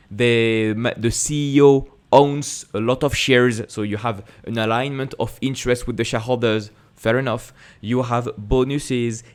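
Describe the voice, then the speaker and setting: A man from France with a French accent, a native speaker who hosts an investing channel, explains things casually to camera in a lowish, darkish voice. His delivery is emphatic, with rhetorical questions, repeated words and restarts.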